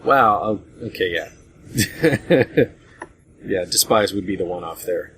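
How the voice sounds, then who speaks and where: A man hosting a casual group discussion about retro games in a rambling, hesitant way, on a low-grade voice chat recording. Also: expressive, slow, a bit bright, a little hiss or hum. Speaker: podcast host.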